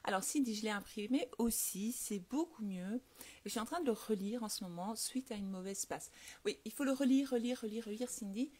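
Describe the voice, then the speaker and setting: A woman's voice: fairly high pitch, brisk. A woman with a French accent hosting a casual live stream, answering viewer comments, laughing often and filling her talk with little hesitations. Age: adult with children. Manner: lively, laughs often, many fillers. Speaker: host of a live stream on the law of attraction.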